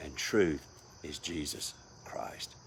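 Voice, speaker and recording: A man with a Southern US accent speaks at a very slow pace. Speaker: pastor. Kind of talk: devotional talk; casual sign-off announcements. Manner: loud.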